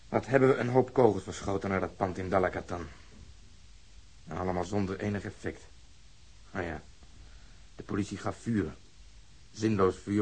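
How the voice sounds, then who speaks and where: An actor playing a cynical police detective in a radio drama, with dry sarcasm and drawn-out emphasis. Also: male voice, fairly low pitch, husky.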